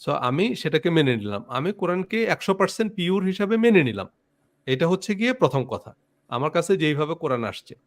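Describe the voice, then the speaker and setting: A man's voice: fairly high pitch, very animated, fairly quick. A man hosting a casual debate, laying out his position step by step. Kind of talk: casual debate on a live stream.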